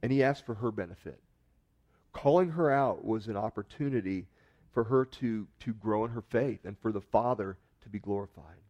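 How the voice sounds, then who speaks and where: A man preaching a sermon, telling a story with expressive swells of emphasis and dramatized quotes. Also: on the low side, normal speed. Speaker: pastor.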